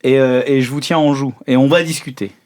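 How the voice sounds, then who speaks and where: A man playing in an improvised tabletop role-playing game, chatting casually and jokingly, halting and repeating words as he invents. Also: medium pitch, steady tone, darkish tone.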